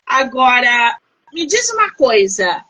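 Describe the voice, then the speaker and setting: A woman's voice: high voice, big pitch swings, slow pace, pushed and bright, no echo, low-quality recording. A woman from Rio de Janeiro hosting a casual live interview over a video call, effusive and full of exclamations. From Rio de Janeiro, Brazil. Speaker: host.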